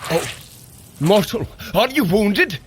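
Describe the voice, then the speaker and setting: A grand, slow-spoken, animated thunder god. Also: male voice, sits high, slight background noise, full character voice. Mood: puzzled, alarmed. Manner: grand, formal, declaiming. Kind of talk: dramatised audio adventure for runners.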